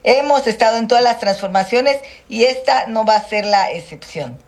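Measured woman politician from Guerrero. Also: fairly high pitch, expressive, darkish tone. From Guerrero, Mexico. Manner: measured, halting, with many fillers. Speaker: politician, senator.

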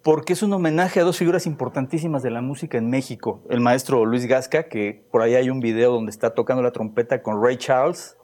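A man's voice: medium pitch, fairly even intonation, brisk, few pauses, darkish tone. A man who is a music journalist, speaking fluently and persuasively in long, flowing runs. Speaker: music journalist, festival organizer. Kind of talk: promotional interview talk.

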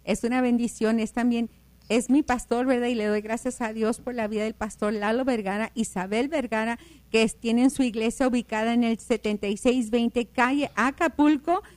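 A woman's voice: fairly high pitch, fairly even intonation, normal speed, a little mellow. A woman from El Paso, Texas, hosting a Christian radio talk show in a fervent, preachy, upbeat way. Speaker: radio host.

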